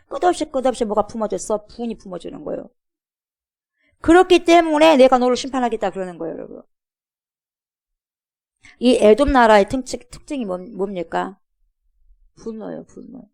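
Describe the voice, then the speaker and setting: A woman pastor giving a sermon at a church, preaching emphatically and asking the congregation repeated rhetorical questions. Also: a little high.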